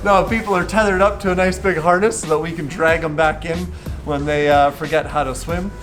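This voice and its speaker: A man with a fairly high voice gives casual interview answers as an expedition leader. His delivery is blunt and joking. Soft music sits behind him. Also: fairly even intonation, a little fast.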